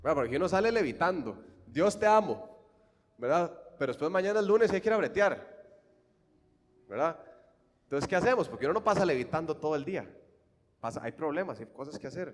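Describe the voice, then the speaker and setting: A man with a Costa Rican accent preaching a sermon, swinging fervently from hushed, quiet lines to loud, emphatic ones. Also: on the high side, lively intonation, quick pace, long pauses, big-room sound. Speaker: pastor.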